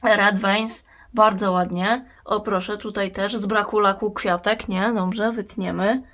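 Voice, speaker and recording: A woman's voice: mid-range voice, fairly even intonation, a little slow, fairly bright tone. A woman hosting a plant-care vlog, chatting casually at her indoor grow box and talking tenderly to her plants. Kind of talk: casual talk while tending plants.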